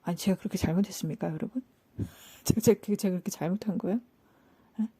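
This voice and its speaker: A woman hosting a spiritual talk, telling an anecdote in a casual, animated way, acting out quoted lines and asking the listeners rhetorical questions. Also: medium pitch, quick pace, slightly rough. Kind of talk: casual storytelling lecture.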